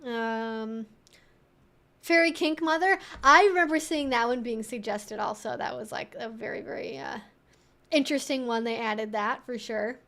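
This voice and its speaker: Female streamer, high-pitched voice, informal and wry, reacting aloud to viewer messages. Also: normal speed, bright, forceful tone. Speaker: livestream host answering viewer chat. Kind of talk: casual livestream chat.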